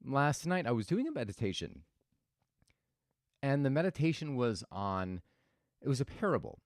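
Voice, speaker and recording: Lively reflective male motivational speaker. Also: medium pitch, normal speed, no echo, clean studio sound. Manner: thoughtful, storytelling, with restarts. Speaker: host.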